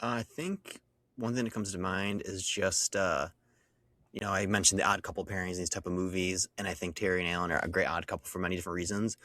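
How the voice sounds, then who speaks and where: Low-voiced man musing over a film. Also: fairly even intonation, fast talker, pushed and bright, no echo. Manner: thoughtful, rambling. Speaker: podcast co-host. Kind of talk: casual movie chat.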